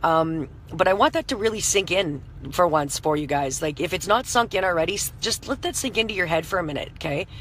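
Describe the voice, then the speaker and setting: A woman in her thirties with a hoarse, scratchy voice, giving a chatty motivational talk on a live stream and greeting viewers by name. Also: on the low side, lively intonation, a little fast, few pauses, fairly bright tone. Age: 30s. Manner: chatty, full of "you know" fillers, greets viewers by name. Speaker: entrepreneur hosting a live stream.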